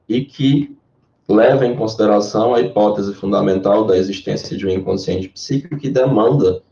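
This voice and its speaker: A Brazilian man with a low, mellow voice lays out ideas at length, explaining patiently like a lecturer. His voice is Brazilian Portuguese accented. It reaches the listener through a dull, lo-fi line in an echoey room. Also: creaky, far from the mic. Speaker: guest, Jungian therapist. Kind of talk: interview answers.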